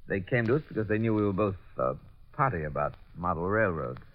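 An actor playing a haunted bomb-disposal captain who tells his story in a quiet, brooding way, in 1940s radio acting style. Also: deep voice, lively intonation, brisk. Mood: earnest. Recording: lo-fi old radio recording.

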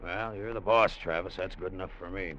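An actor playing a scheming sailor who plots to take a salvaged treasure, narrating in tough first person, 1940s radio acting. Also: male voice, low-pitched, fairly even intonation, fairly quick, close to an everyday voice. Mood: casual. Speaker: narrator and lead character. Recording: muffled old radio broadcast with music.

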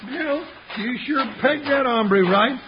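A folksy, high-pitched cowboy sidekick, drawling, muffled hiss. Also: male voice, takes it slowly. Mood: excited. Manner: drawling, stammering, exclamatory frontier talk. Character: folksy middle-aged male cowboy sidekick, excitable. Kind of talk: 1950s radio western acting. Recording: muffled old radio transcription with hiss.

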